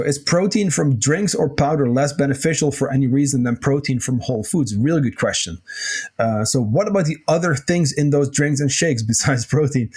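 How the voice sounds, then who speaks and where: A man hosting a nutrition podcast, answering listener questions in a casual, loose way, a little hoarse, with plenty of fillers and the odd swear. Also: medium pitch, darkish tone. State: slightly hoarse, clears throat. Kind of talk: casual solo Q&A talk.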